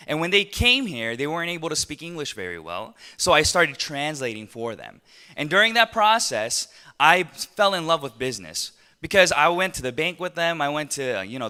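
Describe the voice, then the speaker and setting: A man from Los Angeles in his thirties tells his story to a live crowd. His bright voice sits a little high and swings widely in pitch. He laughs often and keeps checking in with his listeners. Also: clean tone. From USA (Los Angeles). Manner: lively, animated storytelling with frequent laughs and rhetorical questions. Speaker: motivational speaker. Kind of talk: speech to a live audience.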